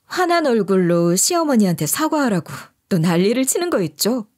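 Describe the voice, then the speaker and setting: A woman's voice: mid-range voice, very animated, moderate pace, a little mellow. A woman narrating her own story in the first person, emotional and confiding.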